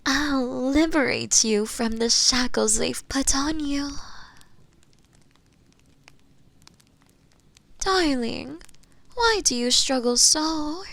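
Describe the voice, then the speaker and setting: A woman playing a seductive, possessive witch in an intimate audio roleplay, sweetly menacing and coaxing, with breathy murmurs that slip into whispers. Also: high voice, takes it slowly, hardly any pauses, fairly bright tone, dry recording, exaggerated voice. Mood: fervent, teasing.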